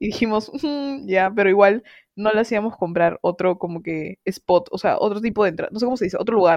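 This is an ordinary speaking voice. The woman's pitch sits in the medium range and varies in an ordinary way. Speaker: podcast co-host. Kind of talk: casual chat. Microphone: connection cutting out.

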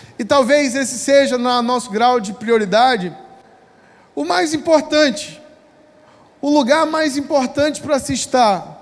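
With audible room echo and noticeable background noise, a man talks at a fairly slow pace in an extremely high pitch, using ordinary pitch variation and long, frequent pauses. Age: 30s. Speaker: pastor. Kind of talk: sermon.

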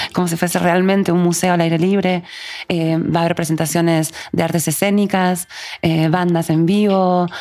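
A woman with a dark, mellow tone speaks at a moderate pace in a monotone, flat intonation. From Argentina. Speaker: festival producer. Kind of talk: interview.

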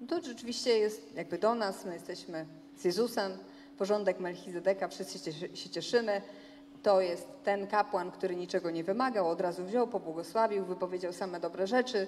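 Her voice is a normal speaking voice at a medium pitch, and this woman talks at a fairly quick pace with ordinary pitch variation. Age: 40s. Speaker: pastor. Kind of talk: sermon. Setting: church.

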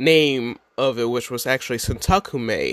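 In an American accent, a man with a plain, everyday voice talks at a fairly slow pace with ordinary pitch variation. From US Midwest, Chicago. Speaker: podcast host and blogger. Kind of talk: solo casual podcast monologue.

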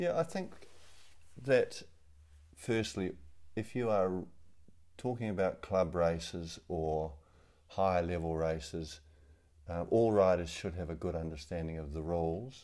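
With a New Zealand accent, a man speaks at a very deep, low pitch in a dark, mellow tone, with ordinary pitch variation. He moves at a fairly slow pace with long, frequent pauses. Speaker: cycling race official. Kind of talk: interview. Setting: in Australia, at host's home. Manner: halting, many fillers.

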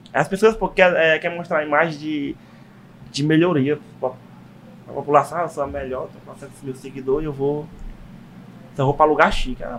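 The speech moves at a moderate pace with fairly even intonation. Loudness swings widely, with long, frequent pauses. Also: man, fairly high pitch for a man. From Piauí, Brazil (Amarante). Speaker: social media comedian. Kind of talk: casual chat.

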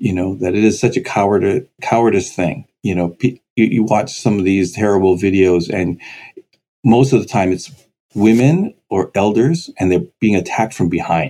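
With an American accent, a man speaks at a moderate pace. His tone is dark and mellow, with ordinary pitch variation. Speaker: pastor. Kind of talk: casual panel conversation.

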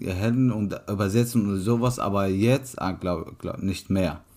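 In an Arabic accent, the speaker shows ordinary pitch variation on a very clean recording with a silent background. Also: man. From Syria. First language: Arabic (speaking German). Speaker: refugee. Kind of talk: interview. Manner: halting.

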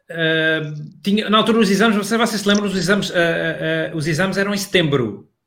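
In a room with audible echo, a man speaks at a fairly quick pace in a high voice. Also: ordinary pitch variation. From Portugal, Bairrada region. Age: 40s. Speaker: youtuber and radio personality. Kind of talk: casual chat.

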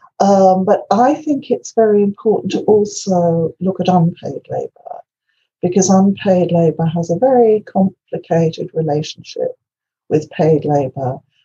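A dark, mellow, somewhat breathy voice speaks at a fairly slow pace. Its intonation is lively, and the sound is dry and close with no echo. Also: woman, medium pitch for a woman. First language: Welsh. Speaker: scholar. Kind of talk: lecture.

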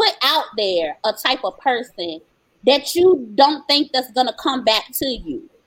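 Very slowly and loudly, a woman speaks with very wide pitch swings. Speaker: podcast co-host. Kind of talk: casual chat, gossip. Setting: live video stream. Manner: loud, animated.

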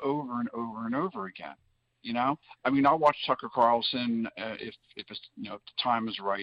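Using an unremarkable speaking voice, a man with an American accent talks at a fairly quick pace with lively intonation. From New Jersey. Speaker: caller. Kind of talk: call-in radio.

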